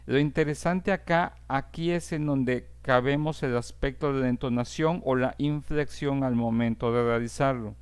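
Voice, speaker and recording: A man teaching a class, explaining in a measured way with frequent fillers and checks for understanding. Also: mid-range voice, steady tone, clear, resonant tone. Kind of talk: recorded class lecture.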